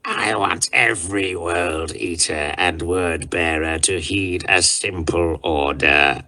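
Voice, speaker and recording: Raging giant warlord. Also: male voice, sits low, fairly even intonation, slow pace, voice pushed down, exaggerated voice. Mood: cold hissing. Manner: roaring, ranting shouts between rasping hisses. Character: raging giant male warlord, brutal and unhinged.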